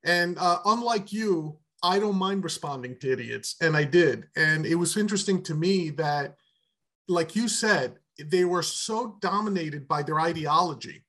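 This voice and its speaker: A man's voice: on the high side, lively intonation, unhurried, pushed and bright. A man co-hosting a sports podcast, speaking bluntly and dryly in casual chat. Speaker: podcast co-host.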